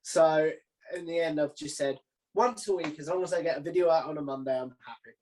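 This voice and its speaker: A man with a fairly high-pitched voice hosts a casual chat. He is informal and matey, putting questions and sharing his own views like one mate talking to another. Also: fairly quick, darkish tone, a little hiss or hum, poor audio. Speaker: interviewer, video channel host.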